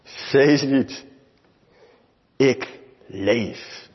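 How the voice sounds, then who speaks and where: A man's voice: mid-range voice, extremely slow, breathy edge. A male pastor preaching a sermon to his congregation in short, emphatic phrases. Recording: long reverb, dull lo-fi sound.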